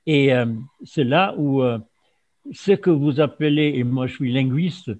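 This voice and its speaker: A man from Germany whose first language is German, giving an informal talk with many pauses and restarts. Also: medium pitch, a little mellow. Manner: halting, many fillers and restarts. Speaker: speaker on fasting. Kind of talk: informal lecture to an audience. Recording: dull lo-fi sound.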